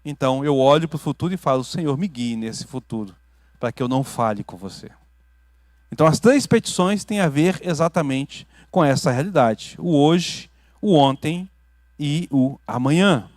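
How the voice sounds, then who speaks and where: A Brazilian man preaching a teaching sermon as pastor, building to loud emphatic peaks and dropping to quiet asides, often checking in with his listeners. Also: on the high side, expressive, normal speed, no echo. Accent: Brazilian Portuguese. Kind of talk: teaching sermon with questions to the congregation. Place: church hall.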